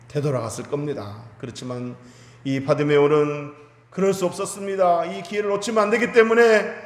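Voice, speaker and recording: A fairly high-voiced male pastor preaches a Sunday sermon, retelling a scripture story and building to emphatic cries. His voice rings through a church hall with long, roomy reverb. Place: church sanctuary.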